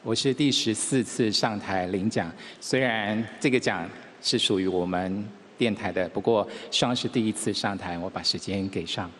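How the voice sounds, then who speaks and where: A man with a slightly low, bright and forceful voice gives an acceptance speech. He has a Taiwanese Mandarin accent and speaks as an award winner on stage. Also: normal speed, hardly any pauses, long reverb tail, slight background noise.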